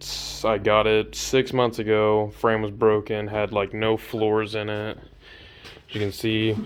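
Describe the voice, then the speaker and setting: A man at a fairly low pitch, monotone and flat, very slow with hardly any pauses. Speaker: hobbyist off-road vehicle fabricator. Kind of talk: casual talk to camera.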